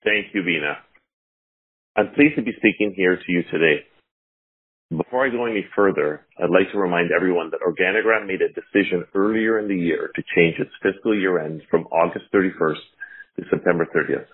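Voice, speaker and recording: A man with a very low, husky voice reads a prepared financial presentation over a narrow telephone-like line. His delivery is formal and polite, that of an executive addressing investors. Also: brisk. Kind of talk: scripted corporate presentation. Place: corporate earnings conference call. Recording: muffled, phone-like conference call line.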